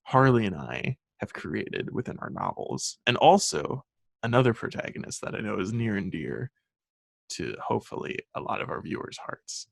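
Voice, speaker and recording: A man's voice: lowish voice, very animated, moderate pace, gravelly, no echo. A young man co-hosting a podcast, chatting casually in a rambling way with lots of fillers. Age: young adult. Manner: rambling with many fillers and laughs. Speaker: podcast co-host.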